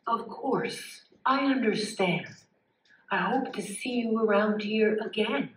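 A calm and welcoming snake puppet, voiced by a woman, drawing out her words at an unhurried crawl. The voice sits in a middle register. It comes from a distance in an echoey room, with faint noise behind it. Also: mid-range voice, lightly acted. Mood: kind. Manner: slow, soothing, unhurried. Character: gentle friendly green snake, calm and welcoming. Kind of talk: live puppet show acting.

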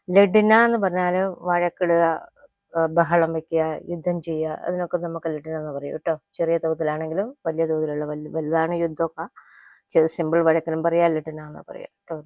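A woman gives a spoken language lesson. She says each phrase slowly, repeats it, and then explains it quickly. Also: on the low side, no room sound, lo-fi sound. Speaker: Hindi teacher.

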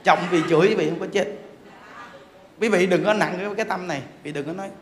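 A male monk giving a dharma talk in a lively, joking way, acting out quarrels with bursts of laughter. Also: sits high, fast talker. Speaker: monk teacher. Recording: echoey hall with faint background noise.

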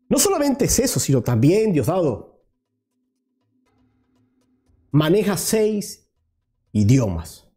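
A man's voice: fairly high pitch, warm tone. A man in his thirties hosting political commentary, combative, firing rhetorical questions straight at his target, recorded on a lapel mic in a small studio. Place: small studio with virtual set.

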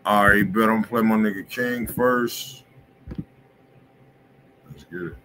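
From a desk in a home studio room, a music review show host with a fairly low, somewhat bright voice chats loosely through a livestream track review. He leans on slang and repeatedly asks "you feel me." The audio quality is poor, with a faint room hiss under his voice.

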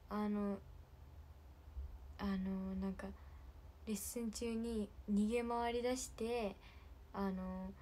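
Soft half-whispering teen girl. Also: on the high side, slight background noise. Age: late teens. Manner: soft, often half-whispered, rambling with many fillers. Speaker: idol group member. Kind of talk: late-night livestream chat.

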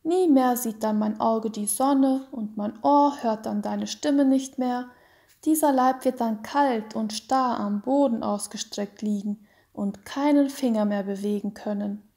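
A woman voicing a sick young mother in a storybook reading, speaking softly and weakly, often half-whispered. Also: a little high, measured pace. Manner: soft, weak, half-whispered.

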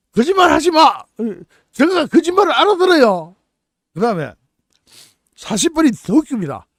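A man's voice: high-pitched, no echo, clean studio sound. A man hosting his own channel, giving solo commentary in a sarcastic, incredulous way with many rhetorical questions. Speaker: channel host. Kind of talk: solo commentary reading out and mocking phrases.

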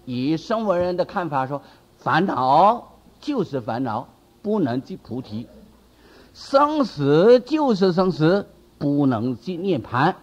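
A man's voice: fairly high pitch, unhurried, muffled recording. A man, a Buddhist monk with a Taiwanese Mandarin accent, lecturing on a sutra and acting out a frightened disciple with cries and exclamations. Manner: animated, acts out the disciple's fear with exclamations.

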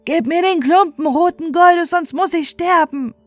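A woman's voice: very high voice, unhurried, no echo, faint music behind, pitched above the performer's own voice. A woman voicing a desperate, starving male leper begging in a fairy tale, pleading and urgent. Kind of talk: fairy tale storybook reading.

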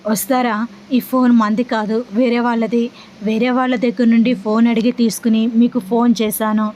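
A woman voicing a calm young man reassuring his father and wife over the phone. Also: on the high side, a little fast, a little hiss or hum, lightly acted.

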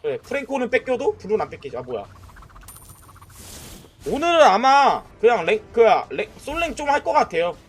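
Male game streamer, thirties, high husky voice, excitable trash-talking play-by-play. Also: fairly quick. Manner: excitable, shouting at enemies and cheering; trash-talking with frequent "nice" and "that's it". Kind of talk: live gameplay commentary.

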